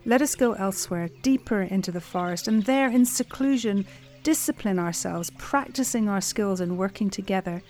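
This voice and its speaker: A woman voicing a wise male quail who calmly counsels his flock. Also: mid-range voice, moderate pace, soft background music, lightly acted. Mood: earnest.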